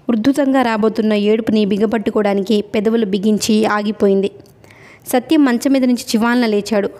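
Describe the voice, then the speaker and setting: A woman's voice: mid-range voice, dark tone. A woman reading a novel aloud as an audiobook narrator, telling the story steadily.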